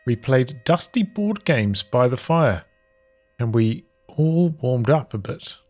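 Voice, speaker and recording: A man reading journal entries from a visual novel aloud as storytelling, in measured, halting phrases with pauses. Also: mid-range voice, lively intonation, a little mellow, soft background music.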